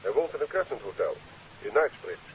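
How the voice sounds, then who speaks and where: An actor playing a brisk, eager police inspector in a 1950s radio drama, direct in manner. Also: male voice, medium pitch, very animated, lightly acted. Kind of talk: 1950s Dutch radio detective drama acting. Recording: dull, hissy 1950s radio recording.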